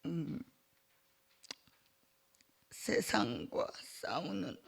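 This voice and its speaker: A middle-aged woman giving an emotional personal testimony at a church gathering, halting, with many fillers and small laughs between phrases. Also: fairly low pitch, big pitch swings, vocal fry, breathy edge.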